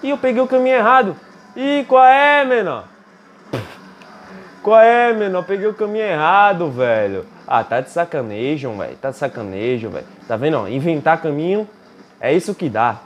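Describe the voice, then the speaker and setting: A young Brazilian man with a Brazilian Portuguese accent, giving excitable gameplay commentary while racing and trash-talking the game. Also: a little high, normal speed, a little hiss or hum. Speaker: gaming YouTuber.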